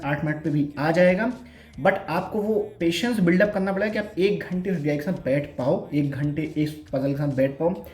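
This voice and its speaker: A man's voice: high-pitched, roomy sound. A young man chatting casually to viewers with self-mocking humor, giving study advice as an exam aspirant. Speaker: bank exam aspirant vlogger.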